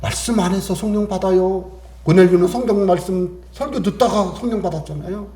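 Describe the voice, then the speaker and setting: Male pastor, high-pitched, emphatic repetitive sermon delivery, reverberant sanctuary sound. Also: fairly quick, mellow. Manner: emphatic, repetitive preaching with rhetorical questions.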